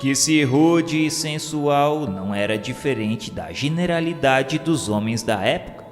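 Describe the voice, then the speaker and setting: A man with a Brazilian accent narrating a radio drama in a solemn, measured way. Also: medium pitch, expressive. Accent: Brazilian Portuguese. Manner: slow, solemn, measured delivery. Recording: long reverb with faint music.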